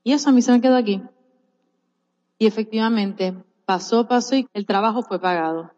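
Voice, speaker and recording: Animated woman storyteller. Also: a little high, brisk, dull audio. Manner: animated storyteller, laughs while telling. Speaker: speaker at a business seminar. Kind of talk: personal testimony on stage. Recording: echoey large hall.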